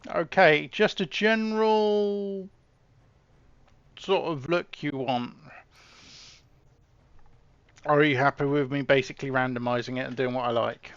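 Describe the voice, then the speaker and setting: A man's voice: on the high side, moderate pace, a bit bright, clear, resonant tone, no echo, muffled recording. A man casually chatting with his live-stream audience while setting up soldiers in a game, often trailing off and restarting.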